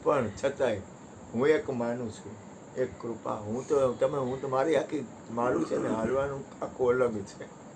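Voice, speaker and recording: A man's voice: mid-range voice, normal speed, background noise. A man giving a devotional satsang talk in a folksy, conversational way, joking with his listeners. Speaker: satsang speaker.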